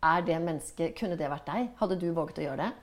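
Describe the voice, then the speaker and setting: A middle-aged woman hosting a podcast in casual conversation, telling anecdotes expressively. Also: deep voice. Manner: expressive anecdotal storyteller, acts out quotes. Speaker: podcast host.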